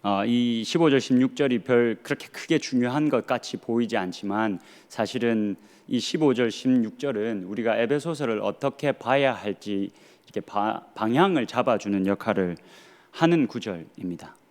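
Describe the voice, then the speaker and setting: A man in his thirties, a pastor from the Gyeongsang region with its Korean accent, gives a sermon at a moderate pace in a medium-pitched, slightly mellow voice. He preaches earnestly, leaning on rhetorical questions and a dry sense of humor.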